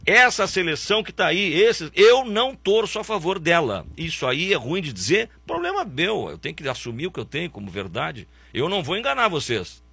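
Blunt ranting football pundit. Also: male voice, fairly high pitch, huge pitch swings, moderate pace, gravelly, hardly any pauses, bright, forceful tone, breathy edge, dry recording. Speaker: sports commentary host. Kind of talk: opinionated football commentary.

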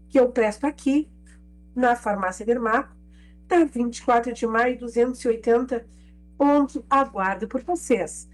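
A woman pharmacist with a hoarse throat, giving health tips on a radio segment in an explanatory way. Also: a little high, low-quality recording. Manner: explanatory, lists products and phone numbers.

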